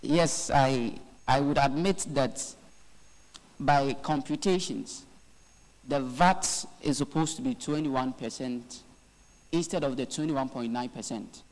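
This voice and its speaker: A young man with a Ghanaian English accent, the financial secretary of a student parliament, speaking formally with some halting. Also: medium pitch, darkish tone, big-room sound, low-quality recording. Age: young adult. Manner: measured, formal, slightly halting.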